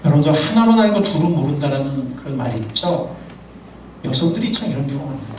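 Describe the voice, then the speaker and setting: Animated pastor preaching in an echoey hall. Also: male voice, on the high side, fast talker, recorded from a distance, slight background noise. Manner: animated and humorous, tells personal anecdotes. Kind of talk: sermon. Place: church sanctuary.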